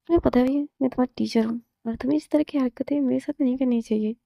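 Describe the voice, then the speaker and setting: A woman's voice: sits high, fast talker, creaky, no room sound, clean studio sound. A woman voicing a stern, scolding young teacher. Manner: scolding and sharp.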